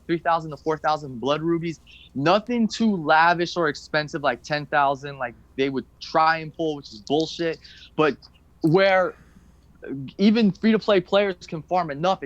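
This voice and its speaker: Slightly high man on a dull, dry line. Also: fairly bright tone, dry recording. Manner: rambling, loose, with fillers and mild swearing. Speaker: podcast host. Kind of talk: casual podcast chat.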